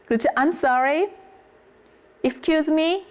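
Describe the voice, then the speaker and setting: A woman teaching English phrases to older learners, speaking them slowly and clearly and checking in often with her listeners. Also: sits high. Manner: lively, encouraging, keeps checking in with listeners. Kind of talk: English lesson for seniors.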